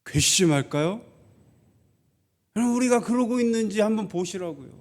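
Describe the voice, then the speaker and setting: Guy pastor with a pretty high voice preaching, keeps asking the congregation questions, does little voices of whiny kids. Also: lively intonation, normal speed. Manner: acts out quoted grumbling children in a higher voice. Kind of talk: sermon.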